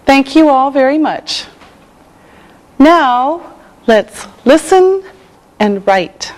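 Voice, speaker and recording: Very slow, carefully enunciating woman teacher. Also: high-pitched, sing-song, a little hiss or hum. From Canada. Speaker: English teacher. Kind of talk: scripted language lesson.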